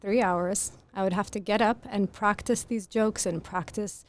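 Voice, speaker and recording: Soft-spoken woman author, podcast guest, earnest and articulate, mid pitch. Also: steady tone, moderate pace. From grew up in Greece. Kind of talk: podcast interview.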